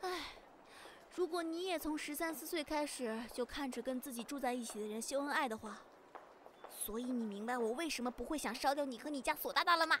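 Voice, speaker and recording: A woman's voice: sits high, fairly quick, a bit bright, a little hiss or hum. A young woman acting a caring, teasing younger sister in an audio drama. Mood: exasperated. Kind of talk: fan audio drama dialogue.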